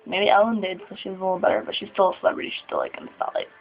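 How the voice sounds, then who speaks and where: Nervous young trans man, gravelly and tinny. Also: sits high. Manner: nervous, halting, with sighs and laughs. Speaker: vlogger. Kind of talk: personal confessional vlog. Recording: tinny phone-like sound.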